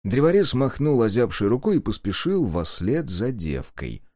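A man narrating a fairy-tale audiobook with a lively storytelling manner. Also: medium pitch, moderate pace, dry recording, studio quality.

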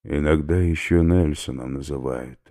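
A man doing a soft-spoken, terse stranger. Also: rumbling low, normal speed. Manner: soft unusual pronunciation, terse.

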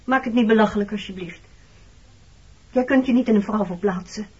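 Dull lo-fi recording, actress as hurt married woman, slightly husky, measured, accusing, intimate radio drama. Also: mid-range voice, a little mellow, lightly acted. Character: hurt, reproachful married woman meeting her former lover. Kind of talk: Dutch radio play acting.

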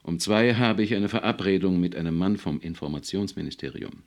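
A man's voice: low-pitched, a little fast. A man voicing an older, white-haired company boss who sounds businesslike and then coaxing with a child. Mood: brisk.

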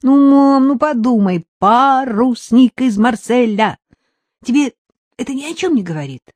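Восторженный, нетерпеливый мальчишка, которого озвучивает женщина в аудиокниге тянет и упрашивает, голос звонкий и высокий, прыгает вверх-вниз. Запись сухая, без эха. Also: female voice, high voice, expressive, measured pace, a little mellow, no room sound, voice pushed up. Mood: excited. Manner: pleading, insistent, gushing. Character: eager, excitable young boy.

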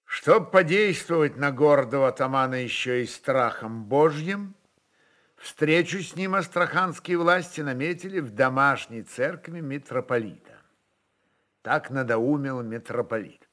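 A man narrating a literary work in a dramatic, expressive style, with emphatic phrasing and weighty pauses. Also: medium pitch.

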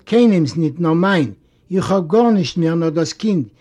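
A sad young mother pleads in a soft, raised voice , put on by a man reading aloud. Her grief is quiet and steady in this storybook reading. The tone stays dark and mellow. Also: fairly high pitch, a little slow. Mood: tearful.

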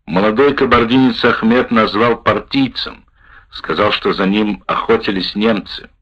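A man reading a wartime memoir aloud in the first person, with a measured, expressive delivery. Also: fairly low pitch. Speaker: narrator. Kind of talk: audiobook narration of a wartime memoir. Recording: dull lo-fi recording.

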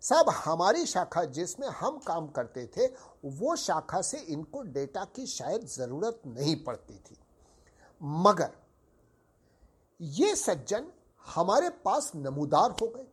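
An older man from Uttar Pradesh with a sore, hoarse throat, hosting a podcast and telling a story in a formal, courteous way, addressing his listeners as sahib. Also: high-pitched, very animated, slow pace. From Uttar Pradesh, India. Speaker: podcast host. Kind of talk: slow reminiscing storytelling.

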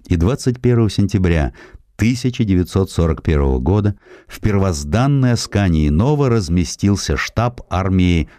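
Male audiobook narrator. Low, dark voice, measured declamatory delivery of historical prose. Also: dry recording, clean studio sound. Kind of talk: expressive scripted narration of historical essays.

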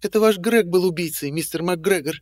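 A man voicing a brave, stubborn young woman in an audiobook, with high, insistent protests. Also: a little fast, darkish tone, long reverb tail, natural voice. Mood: defiant. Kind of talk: audiobook reading.

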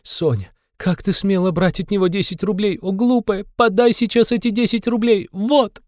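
A man's voice: sits high, fairly even intonation, moderate pace, a little mellow, no echo, clean studio sound, voice pushed up, lightly acted. A man voicing a hysterical destitute widow who shrieks frantic insults. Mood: shrieking fury.

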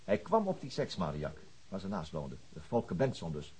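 An earnest senior police detective in a radio crime drama. His voice sits on the low side, and he talks in a thoughtful, naturalistic way with a strict streak. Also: wildly swooping pitch, normal speed, darkish tone, exaggerated voice, rough recording. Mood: reflective.

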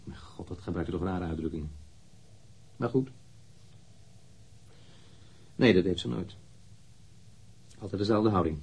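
An actor playing a blunt, candid man in his thirties, a witness answering police questions matter-of-factly in a husky voice in a radio drama. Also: low-pitched, a little slow, pauses often, darkish tone, heavily acted. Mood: frank, blunt. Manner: matter-of-fact, precise, blunt. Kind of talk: radio drama interrogation acting.

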